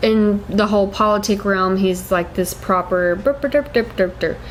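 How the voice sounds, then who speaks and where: At a fairly slow pace, a woman with a Southern US accent speaks with fairly even intonation and very even loudness. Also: hardly any pauses. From US Southeast. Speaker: podcast host. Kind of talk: casual chat. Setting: living room. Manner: hesitant, many fillers.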